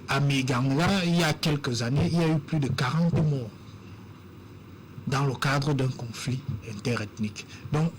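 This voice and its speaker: A man on a TV panel, speaking in a measured, deliberate way with frequent pauses and fillers. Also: fairly high pitch, a little hiss or hum, poor audio. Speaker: panel guest. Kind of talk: measured TV debate.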